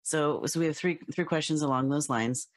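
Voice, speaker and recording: A woman's voice: low voice, brisk, no echo, clean studio sound. A woman in her thirties co-hosting a podcast, upbeat and encouraging. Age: 30s. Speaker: co-host.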